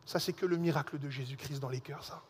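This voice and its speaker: A man preaching a sermon as a pastor, telling a personal story in a lively way and speaking directly to the congregation. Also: on the high side, quick pace, slightly rough, in a large hall. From Alsace and Réunion. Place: church hall.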